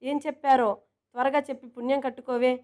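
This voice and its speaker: A woman's voice: high-pitched, flat delivery, quick pace, a little mellow, natural voice. A woman voicing a young female coworker who teases her best friend fondly. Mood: coaxing. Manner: teasing, fond.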